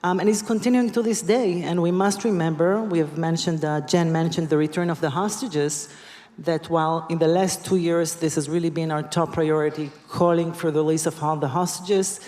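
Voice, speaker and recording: A woman's voice: sits low, steady tone, normal speed, mellow. Earnest woman on a panel. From Israel. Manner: earnest, with frequent ums. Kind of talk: panel discussion answer. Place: large conference hall. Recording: long hall reverb.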